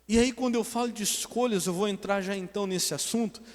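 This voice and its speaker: A man's voice: sits high, brisk, in a large hall. A man with a Brazilian Portuguese accent preaching a sermon as a pastor, mixing joking asides with earnest preaching. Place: church hall.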